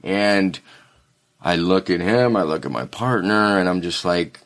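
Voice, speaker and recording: A man's voice: deep voice, unhurried, fairly bright tone. A man in casual conversation, telling a rambling story and restarting his sentences often. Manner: rambling, self-correcting storyteller.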